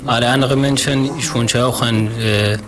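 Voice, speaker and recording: A man's voice: medium pitch, fairly even intonation, a little fast, poor audio. A man from Afghanistan speaking earnestly in non-native German, searching for words. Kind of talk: interview statement. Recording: crowd chatter behind.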